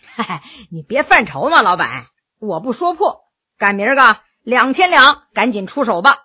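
An obsequious, self-assured court official from a historical tale, voiced by a woman. He sounds bright and high, with exclamatory, knowing delivery that moves freely up and down. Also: sing-song, normal speed, slightly rough, exaggerated voice. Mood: smug. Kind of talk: dramatized storytelling.

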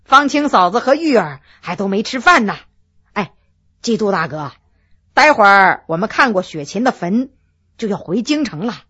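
A woman's voice: medium pitch, big pitch swings, moderate pace, pushed and bright, breathy edge, dull audio, voice pushed down, exaggerated voice. Le Min, a woman doing a cheerful male official. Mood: jovial. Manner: jovial, easy-going.

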